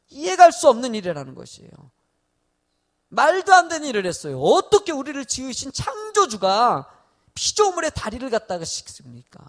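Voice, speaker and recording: High, gravelly-voiced male pastor preaching. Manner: peppers talk with questions to the congregation. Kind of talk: sermon.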